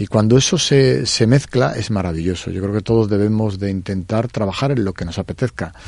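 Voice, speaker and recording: A man uses a normal speaking voice, fairly low-pitched with ordinary pitch variation, at a fairly quick pace. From Spain. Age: 50s. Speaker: entrepreneur and author. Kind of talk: interview.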